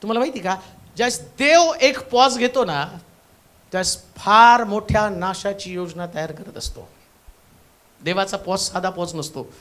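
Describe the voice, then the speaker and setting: A man preaching a Pentecostal sermon in a church, moving between loud calls and hushed asides and repeating the reader's words back. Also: high voice, a little slow. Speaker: pastor.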